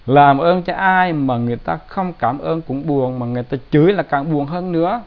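A man's voice: fairly high pitch, moderate pace. Man giving a lo-fi dharma talk. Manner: plain, conversational, with gentle humor. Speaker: Buddhist teacher. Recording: dull lo-fi recording.

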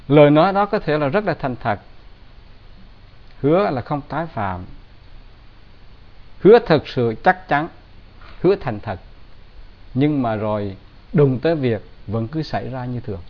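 A man giving a Buddhist dharma talk in a plain, conversational way with gentle humor. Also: fairly high pitch, expressive, a little slow, pauses often. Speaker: Buddhist teacher. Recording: dull lo-fi recording.

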